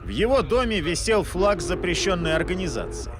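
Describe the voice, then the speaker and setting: A man's voice: high-pitched, sing-song, moderate pace, over music. A man reading scripted documentary narration as the narrator of the film.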